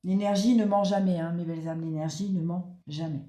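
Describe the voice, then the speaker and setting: A woman's voice: fairly low pitch, fairly even intonation, a little fast, dark tone, roomy sound. French-speaking woman reading oracle cards, stuffy-voiced. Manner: chatty, many fillers, addresses viewers directly. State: congested with a sore throat. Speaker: spiritual card reader. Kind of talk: casual spiritual reading to viewers.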